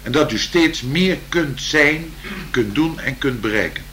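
A man giving a spiritual address with improvised verse, in a measured, solemn, declamatory manner. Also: a little high, animated, background noise. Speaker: spiritual speaker.

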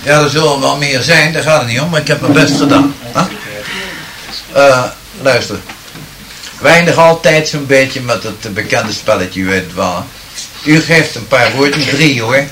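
Against background noise, a medium-pitched man deliberately answers questions from his audience, later moving into improvised rhyming verse. Occasional hesitant fillers slip into his measured speech.

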